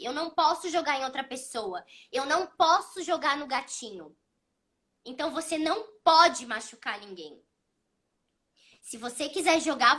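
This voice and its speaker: A woman in her thirties, hosting a child psychology talk, explaining calmly and telling stories about her son with acted-out dialogue. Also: high voice. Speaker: child psychology channel host. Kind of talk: casual advice talk.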